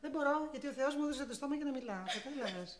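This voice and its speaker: Suspicious, sarcastic grandmother in her later years, sharp and meddling. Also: high-pitched, lively intonation. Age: older. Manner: nosy, sarcastic.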